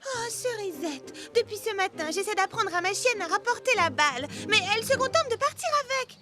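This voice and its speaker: A woman's voice: extremely high pitch, expressive, a little fast. A woman voicing a cheerful young cartoon girl who patiently coaxes and scolds her dog, in a French cartoon dub. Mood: coaxing. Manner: patient, coaxing, exclaims often. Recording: cartoon soundtrack with loud music.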